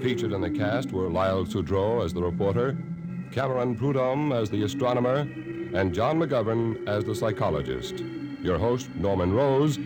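A man with an American accent making a formal, polished 1950s radio announcement. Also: medium pitch. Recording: old radio recording with music.

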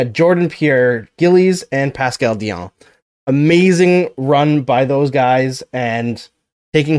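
A man's voice: mid-range voice, a little mellow, no room sound, studio quality. Earnest man hosting a sports podcast. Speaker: podcast host. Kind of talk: casual sports chat.

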